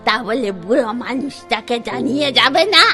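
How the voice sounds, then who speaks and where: Woman as sharp-voiced, aggrieved old opium addict. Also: on the high side, normal speed, soft background music. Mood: hurt reproach. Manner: complaining, reproachful. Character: aggrieved old opium-addled person, reproachful and hurt.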